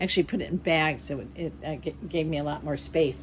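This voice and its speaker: A woman is speaking. Her voice has vocal fry. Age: 70s. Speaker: gardening vlogger. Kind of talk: casual talk to camera.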